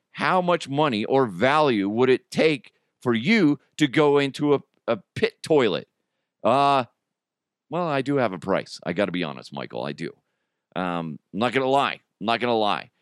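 Middle aged guy doing a jokey crude solo podcast, medium pitch, close dry sound. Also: clear, resonant tone, no echo. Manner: jokey, crude, acts out imagined exchanges. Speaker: podcast host. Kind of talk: casual comedic solo monologue.

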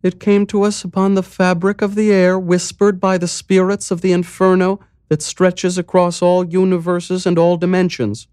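A man voicing a calm, cryptic village mayor, a woman with a hollow, weirdly musical voice, in an audiobook. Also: sits high, clean tone, no echo, clean studio sound, voice pushed up, close to an everyday voice. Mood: hollow, rapt. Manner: serene, measured, cryptic. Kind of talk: audiobook character voice.

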